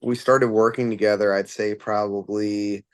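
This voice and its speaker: A man's voice: on the low side, level tone, normal speed, no echo, clean studio sound. A man who fronts a rock band, answering interview questions casually and rambling with plenty of fillers and restarts.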